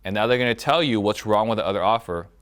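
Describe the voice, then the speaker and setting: A man leading a recorded sales training course, explaining briskly and acting out sample phone dialogues. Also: fairly low pitch, lively intonation, a bit bright.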